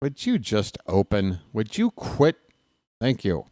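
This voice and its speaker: With a voice on the low side and an unhurried pace, a fan broadcaster in his late forties handles casual live play-by-play of a baseball game. His calls come mixed with wry, sarcastic asides and grumbling, and he becomes loud and animated in his rants. The studio sound is clean with no echo.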